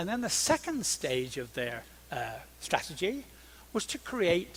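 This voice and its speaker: At a very slow pace, a man with a British accent speaks at a high pitch with very wide pitch swings. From Britain. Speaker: professor. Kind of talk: lecture.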